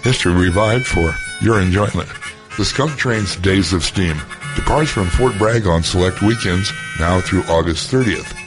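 Man, ad announcer, very deep voice, clear music bed behind, upbeat. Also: normal speed. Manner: upbeat promotional read. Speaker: commercial announcer. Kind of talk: scripted radio ad.

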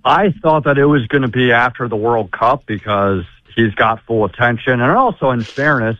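A man with a loud, carrying voice chats casually as a basketball insider on a sports radio show. His line sounds a little muffled and dry, as if phoned in from somewhere close to the mic. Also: medium pitch, no room sound. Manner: loud voice, storytelling. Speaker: NBA insider.

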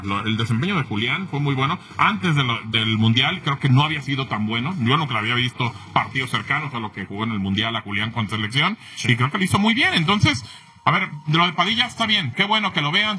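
Fast, bright-voiced male sports pundit. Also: mid-range voice, expressive, slightly rough. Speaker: sports radio panelist. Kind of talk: opinionated sports debate.

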